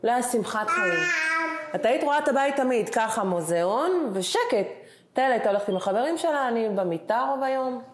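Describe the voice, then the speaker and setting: Middle-aged woman telling her story in an echoey room. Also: a little high. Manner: animated, acts out the dialogue she retells. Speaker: interview guest. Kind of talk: emotional personal storytelling. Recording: roomy echoing room.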